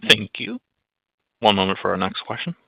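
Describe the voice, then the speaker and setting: A man's voice: on the low side, big pitch swings, moderate pace, gravelly, sharp tone, dry recording. A man making scripted announcements as the operator of a conference call. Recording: slightly dull conference call audio.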